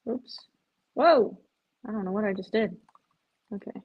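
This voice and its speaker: A woman's voice: mid-range voice, measured pace, husky, highs cut off. A woman hosting a live stream, chatting casually with viewers, sounding tired and rambling. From Chicago area. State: drowsy, yawning.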